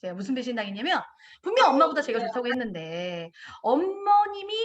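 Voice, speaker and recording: A woman's voice: high-pitched, sing-song, fairly quick, highs cut off. A middle-aged woman, a kindergarten director, giving a parent education lecture and acting out children and parents in quoted voices.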